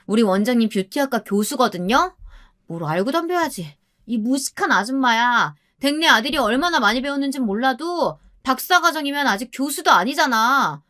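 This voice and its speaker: A woman's voice: sits high, expressive, moderate pace, pushed and bright, no echo, studio quality, voice pushed up. A woman voicing a young female salon employee who mocks a rude customer scornfully. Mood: mocking. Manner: taunting, scornful.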